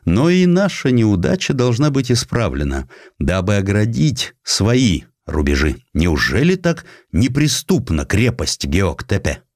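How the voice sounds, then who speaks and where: A man's voice: fairly low pitch, very animated, unhurried, no echo, studio quality, heavily acted. A man playing a celebrated, forthright and learned Russian general in a dramatized audiobook. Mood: brooding, resolved.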